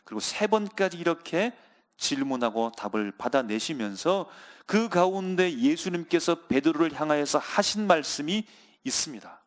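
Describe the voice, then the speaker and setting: A male pastor delivers a Sunday sermon in a fairly high voice. He speaks earnestly, addresses the congregation often, and drags out key words for emphasis. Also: lively intonation, normal speed.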